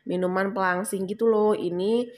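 A woman's voice: mid-range voice, steady tone, moderate pace. A young woman casually walking viewers through trending online shop products, chatty and addressing them as guys. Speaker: affiliate marketing vlogger. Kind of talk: casual screen-recording walkthrough.

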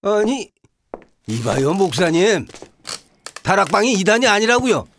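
A quarrelsome pastor, very high and swooping, blustering, audio drama. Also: male voice, sing-song, unhurried, fairly bright tone, slight background noise, exaggerated voice. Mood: indignant. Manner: blustering, confrontational. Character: indignant, quarrelsome male church pastor.

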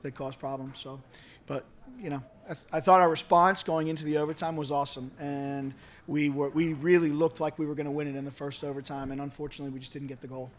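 A middle-aged man, a college soccer head coach, giving measured, halting remarks at a post-match press conference. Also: on the high side, level tone. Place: indoor press conference room, seated at table. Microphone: handheld-style microphone on table stand.

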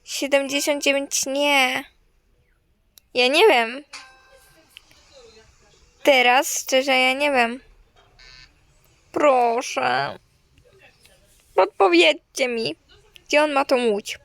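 A woman's voice: high voice, fairly even intonation, extremely slow, creaky, pauses often, fairly bright tone. A young woman streamer commenting on her game and talking straight to her viewers, gushing and sometimes shrieking. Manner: gushing, talks to viewers, shrieks when winning. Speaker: gaming streamer. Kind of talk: excited gameplay commentary.

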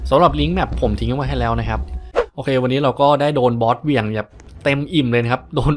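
A man's voice: medium pitch, quick pace, music in the background. A man commentating a live game stream, yelping and exclaiming often as he plays, then thanking his viewers. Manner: excitable, yelps and exclaims often. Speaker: gaming streamer.

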